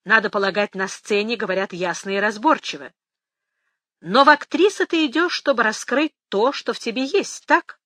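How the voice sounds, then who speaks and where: A woman reading the part of a sharp-tongued elderly grandmother with an ironic, teasing manner. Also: on the high side, normal speed, dry recording, studio quality. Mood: scolding.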